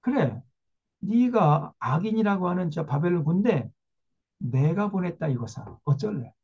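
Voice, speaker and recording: A man's voice: high voice, sing-song, unhurried, creaky, darkish tone, slightly rough, muffled recording, heavily acted. A man voicing God as a stern male figure who answers bluntly and scolds, in a sermon.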